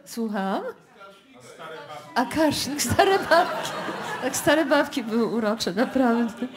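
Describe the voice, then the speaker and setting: A woman's voice: on the high side, animated, slow pace. A woman radio host speaking live before a studio audience, chatty and addressing the listeners directly. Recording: live stage with loud crowd and music. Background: loud audience noise and music.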